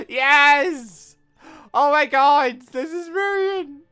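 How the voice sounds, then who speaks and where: A gaming YouTuber giving excitable, rambling, giggly commentary on a visual novel, with game music behind. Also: sits high, extremely slow. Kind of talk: gameplay commentary, reading visual novel dialogue aloud.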